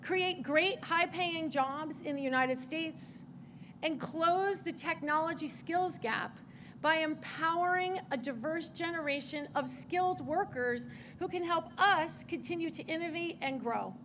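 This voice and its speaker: Female presenter, very high pitch, scripted, polished corporate ceremony remarks. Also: a little slow, a bit bright, slight background noise. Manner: polished, formal delivery. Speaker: company speaker introducing guests.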